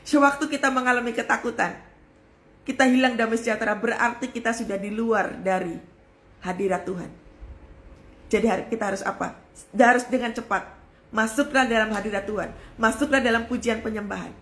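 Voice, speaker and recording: A woman's voice: fairly high pitch, steady tone, fairly quick, fairly bright tone, echoey room. A woman pastor preaching a fervent sermon, often calling out to her listeners. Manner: fervent preaching, addresses listeners as brothers and sisters.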